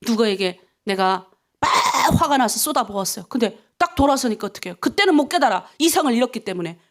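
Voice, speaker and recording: A middle-aged woman pastor preaching an early-morning prayer sermon, swinging between urgent pleading and low near-whispers. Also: expressive, fast talker. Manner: acts out quoted prayers and vows.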